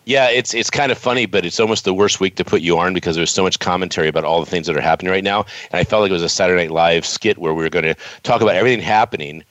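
An American show host in his fifties runs a casual interview in a chatty, rambling style. He has a deep, fairly bright voice and talks very fast with hardly any pauses. There's no room sound, and the recording is dull and lo-fi.

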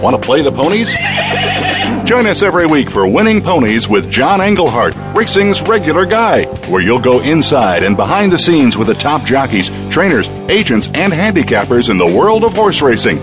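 Male announcer, lively pitch, salesy promo read, clear music behind. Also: normal speed.

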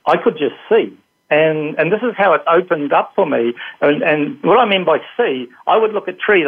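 A man's voice: a little high, vocal fry, breathy edge. A man with a New Zealand accent, a guest answering interview questions in a rambling way with many fillers and restarts, heard over a phone call. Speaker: guest, energy healer. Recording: tinny phone line.

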